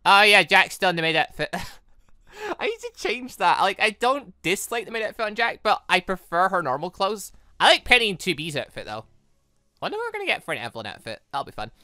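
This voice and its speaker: A gaming host giving casual, rambling, excitable commentary over a playthrough, chatting informally. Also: medium pitch, fairly quick, no echo, studio quality. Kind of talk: casual playthrough commentary, reading dialogue aloud.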